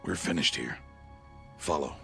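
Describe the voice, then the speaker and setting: Video game mentor: solemn, stern tribal outcast hunter, middle-aged, extremely low voice, formal and measured delivery, light music underneath. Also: male voice, creaky, fairly bright tone, exaggerated voice. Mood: solemn teaching.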